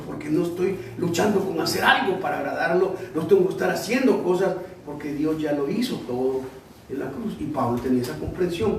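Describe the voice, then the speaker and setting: A man's voice: darkish tone, a little hiss or hum. A man from El Salvador, preaching a sermon as pastor and telling stories with quoted dialogue. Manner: storytelling preacher, acts out quoted dialogue, rises in pitch when exhorting. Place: church. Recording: echoey church hall, heard from a distance.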